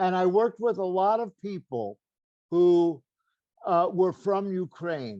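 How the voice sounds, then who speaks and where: A high-pitched man's voice with an American accent, dark, mellow tone and a dry, close sound with no echo. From United States. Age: 80s+. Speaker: military veteran, volunteer. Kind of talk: personal report. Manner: halting.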